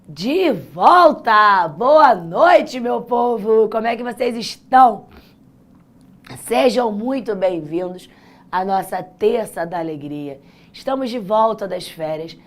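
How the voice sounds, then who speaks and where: A Brazilian woman with a naturally husky, hoarse voice, teaching a live online exam-prep class in an informal, encouraging, chatty way. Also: medium pitch, lively intonation, slow pace. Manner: chatty, encouraging, addresses students directly. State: hoarse, voice worn out. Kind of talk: live online lesson, informal pep talk.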